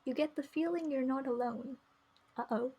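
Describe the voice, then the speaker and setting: Playing a game on stream, a woman reads the narration aloud and drops in casual commentary at a moderate pace. Her voice is high but dark in tone, with a little hiss or hum and faint music in the background.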